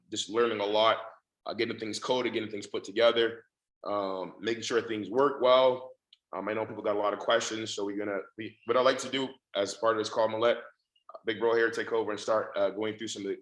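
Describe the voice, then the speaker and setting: A man's voice: fairly low pitch, a bit bright, echoey room, poor audio. Upbeat man hosting a group call. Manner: filler-heavy, upbeat. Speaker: call host.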